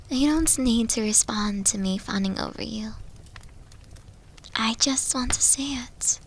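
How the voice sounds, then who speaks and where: A woman's voice: on the high side, slight background noise, poor audio. A woman playing a doting, obsessive fox-spirit wife in an intimate ASMR roleplay, speaking tenderly and fawningly, often slipping into whispers. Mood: soft, sleepy.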